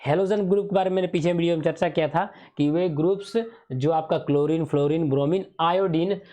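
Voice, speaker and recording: A man's voice: fairly high pitch, a little fast, dark tone. A male teacher giving an exam revision lesson in speech, who keeps asking questions and answering them himself, repeating the key terms.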